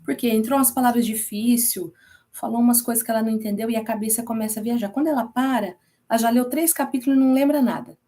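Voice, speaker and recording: A Brazilian woman leads a relaxed Bible study lesson in a mellow, warm-toned voice. She talks in a chatty way and keeps checking in with her listeners as she goes. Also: a little high, quick pace. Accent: Brazilian Portuguese. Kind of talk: casual recorded class.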